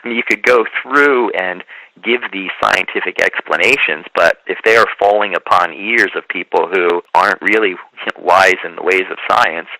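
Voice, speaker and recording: A man with a low voice and a bright, crisp edge talks in a conversational, explanatory way. He illustrates his points with imagined quotes, and the recording is very dry. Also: normal speed, no room sound, low-quality recording. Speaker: guest historian. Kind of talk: conversational explanation of history and science.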